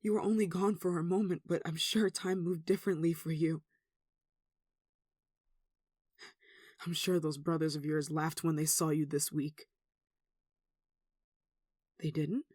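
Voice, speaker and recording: Someone acting a gentle devoted human in asmr drama, earnest soft emotional voice, middle pitch, really dry sound. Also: steady tone, moderate pace, dry recording, lightly acted. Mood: relieved, concerned. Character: devout, tender human devoted to a gentle demon. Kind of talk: ASMR roleplay, one-sided dramatic dialogue.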